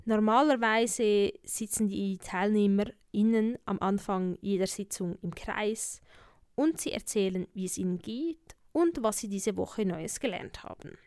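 Female radio host, scripted presenter read, mid-range pitch, very dry studio-style sound. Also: clear, resonant tone, no echo.

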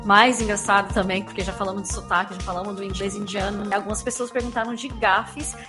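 A Brazilian woman hosting a casual podcast chat, telling stories in a chatty, animated way. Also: medium pitch, quick pace. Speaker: podcast host. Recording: music playing behind the voice. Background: background music.

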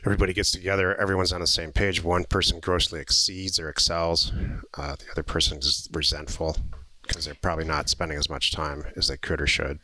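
A man co-hosting a podcast in casual chat, brisk, blunt and self-assured. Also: rumbling low, level tone, sharp tone, dry recording. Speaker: podcast co-host.

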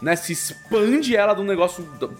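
A man's voice: high voice, a little fast, soft background music. A man with a Brazilian accent chatting casually and emphatically on a podcast, often checking that he is understood. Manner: emphatic, with frequent check-in tags. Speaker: podcast co-host. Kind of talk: casual, opinionated podcast chat.

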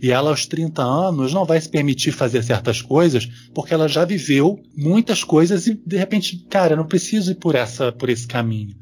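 A man's voice: fairly high pitch, expressive, fairly quick, few pauses, darkish tone. A man, chatting candidly on a podcast with lots of casual fillers. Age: 40s. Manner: candid, conversational, fillers like "sabe". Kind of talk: casual chat.

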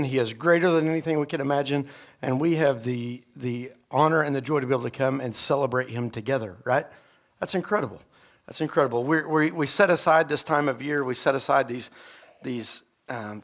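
Associate pastor, man, a bit raspy from a sore throat; conversational sermon delivery, fairly high voice, keeps checking in with "right?". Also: a bit bright. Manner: conversational preaching, frequent "right?" asides and restarts. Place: church sanctuary.

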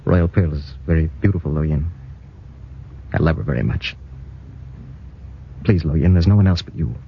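A man's voice: a bass voice, expressive, normal speed, vocal fry, lo-fi sound, a little hiss or hum, exaggerated voice. A man playing an earnest young man leaving for war in a 1940s radio drama. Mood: urgent. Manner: urgent, earnest pleading. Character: earnest young soldier brother, Fa'an.

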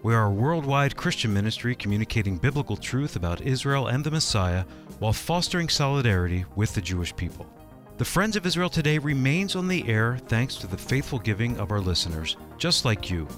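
A man's voice: mid-range voice, very animated, a little fast, a bit bright, soft background music. A man co-hosting and announcing a Christian radio program in a scripted broadcast style.

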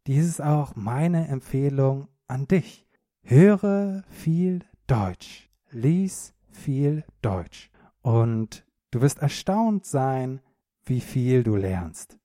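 A native German man hosting a podcast for learners, speaking clearly in an upbeat, encouraging way. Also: medium pitch, animated, very slow, dark tone, no room sound, studio quality. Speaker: podcast host and language teacher.

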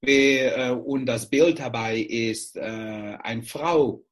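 A Dutch-accented man speaking German as a non-native, often pausing to search for words and switching into English. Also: medium pitch. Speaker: guest. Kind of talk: casual conversation.

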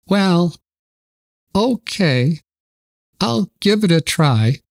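A man's voice: high-pitched, lively intonation, very slow, gravelly, a little hiss or hum, pitched above the performer's own voice, exaggerated voice. A man voicing a shy young schoolboy who speaks hesitantly and reluctantly in a storybook.

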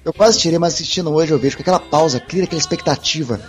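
A man's voice: a little high, very fast, faint music behind. A man with a Mineiro Brazilian accent, swearing and laughing as he tells stories in a casual podcast chat. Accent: Mineiro Brazilian Portuguese. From Minas Gerais, Brazil. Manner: laughing, profane storyteller. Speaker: podcast guest and video dubber.

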